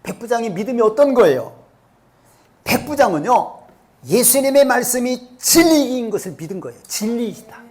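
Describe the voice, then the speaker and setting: In a church sanctuary, a male pastor preaches a sermon with a very high, sing-song, slightly mellow voice at a moderate pace. He often puts rhetorical questions to the congregation.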